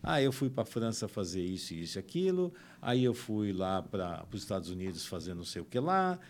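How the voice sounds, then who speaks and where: A man's voice: lowish voice, very animated, a little fast. A man putting on the voice of a spoiled, carefree young woman who is a perpetual student, speaking flippantly and dismissively. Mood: breezy.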